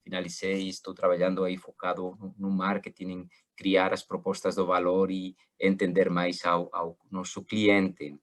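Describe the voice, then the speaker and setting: A man's very deep, low voice at a moderate pace. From Spain. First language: Spanish (speaking Portuguese). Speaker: marketing manager. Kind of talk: webinar panel talk.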